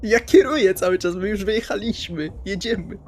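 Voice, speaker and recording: A man's voice: high-pitched, normal speed, voice pushed up. A man playing a tense, sardonic male vampire in a roleplaying game, speaking in wordy, formal, dry phrases. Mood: dry, irritated. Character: stiff, irritable, sardonic male vampire driver with formal diction.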